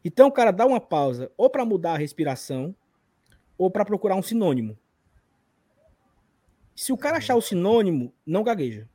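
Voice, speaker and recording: High-voiced man, Ceará accent, occasional stutter, dry close sound, casual storytelling, live podcast host. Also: big pitch swings, fairly quick, long pauses, dark tone, breathy edge, dry recording. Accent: Northeastern Brazilian, from Ceará.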